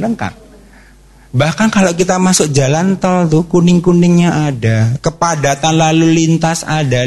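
Guy preaching at a seminar, kinda high voice, jokey, keeps quizzing the crowd. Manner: animated, jokey, asks the audience questions, acts out quick exclamations. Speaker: speaker at a parenting and youth talk. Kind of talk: lively religious seminar talk.

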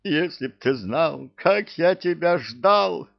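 A tearful, overjoyed devil sniffles and chokes out his words, pitched well above the reader's usual voice, as a male narrator puts him on. His delivery swings widely in pitch and drags slowly at its peaks, and the recording sounds dull and lo-fi. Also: lively intonation, creaky, full character voice.

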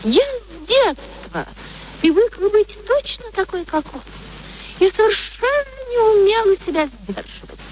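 A woman's voice: very high voice, very animated, a little slow, a little mellow, exaggerated voice, rough recording. An actress playing a proud young former street girl turned lady, speaking with mannered, pointed politeness in a radio play. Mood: wounded, pointed. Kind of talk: theatrical radio play acting. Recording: faint background noise, archive radio recording.

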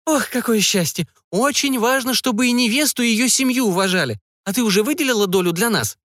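Guy doing a high fussy mom, nags and frets, swoopy voice, dry sound. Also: animated, brisk, fairly bright tone, dry recording. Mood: prying. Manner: fretful, breathless questioning. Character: fussy excitable middle-aged mother.

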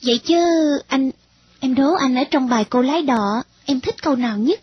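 A woman's voice: sits high, moderate pace, slightly rough. A woman voicing an affectionate, playful young wife, coaxing and teasing. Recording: dull lo-fi recording.

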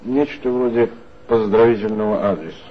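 A man's voice: fairly low pitch, moderate pace, lightly acted. An actor playing a terse, cool male police inspector in a 1960s radio play, speaking in short, clipped replies. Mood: cold. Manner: clipped, curt. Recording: dull lo-fi old radio recording.

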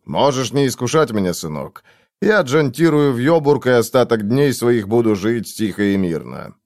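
A man's voice: medium pitch, big pitch swings, moderate pace, a little mellow, no echo, studio quality. A male reader voicing a blunt, weary middle-aged man in an audiobook. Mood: coaxing.

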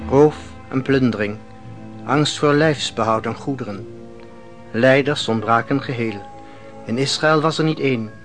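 An actor playing a solemn biblical bard who recites a war song in declamatory, poetic phrases for a radio play. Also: male voice, mid-range voice, natural voice. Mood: lamenting. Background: music.

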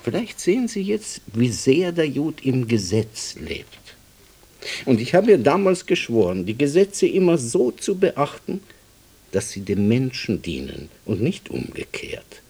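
An actor playing a humble, wry Jewish handyman from the East in a radio play, speaking colloquial, with earnest emphasis and a husky, breathy voice. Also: medium pitch, big pitch swings, unhurried, warm tone, full character voice. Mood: intense, reminiscing. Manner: colloquial, hesitant, emphatic storytelling.

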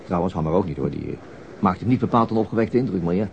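An actor playing a weary, hesitant, middle-aged police detective in a naturalistic radio drama. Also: male voice, sits low, animated, fast talker, dull audio, slight background noise. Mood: tired, dry. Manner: hesitant, understated. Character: weary, terse male police detective and father.

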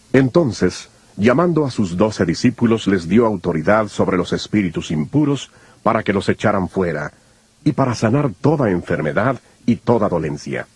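Deep, husky male scripture narrator. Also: dry recording. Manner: formal, measured.

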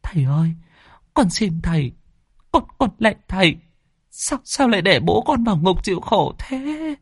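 A desperate young woman pleads through tears in a raised, strained voice, as a man acts her out. Her begging runs high above a plain speaking voice. It is a storybook figure. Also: big pitch swings, normal speed, slightly rough, dry recording, clean studio sound, exaggerated voice. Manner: begging, tearful.

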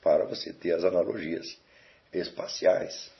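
A man's voice: sits low, fairly even intonation, measured pace, gravelly, dull audio. A man with a Brazilian Portuguese accent giving a recorded lecture, talking in a digressive, conversational way and asking rhetorical questions.

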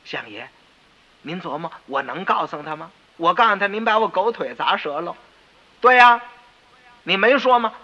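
A man's voice: lively intonation, normal speed, pauses often, pushed and bright, full character voice. A man with a Beijing accent playing a timid, whining house steward who pleads with his master. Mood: meek. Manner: low, meek and pleading. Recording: dull lo-fi radio recording.

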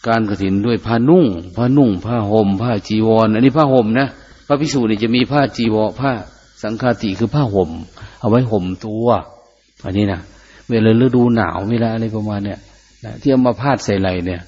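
A man's voice: mid-range voice, a little fast, a little mellow. An older man, a Buddhist monk, giving a dhamma talk where he chants Pali phrases and then explains them plainly. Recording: muffled lo-fi recording.

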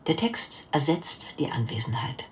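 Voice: mid-range voice, very animated, measured pace, a little hiss or hum, poor audio. A performer playing a detached academic lecturer, giving formal, analytical essay narration within a radio drama.

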